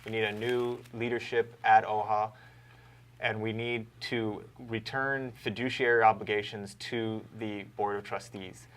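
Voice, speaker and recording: A man in his thirties from Hawaii introducing himself as a candidate in a slow, deliberate, earnest way. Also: lowish voice, level tone, a bit bright, poor audio. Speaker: political candidate. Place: TV studio.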